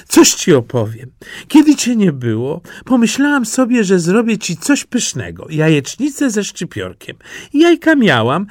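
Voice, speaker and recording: Man doing old farm wife, doting, gushing, high lilting voice, dry close sound. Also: no echo, exaggerated voice. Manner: gushing, delighted.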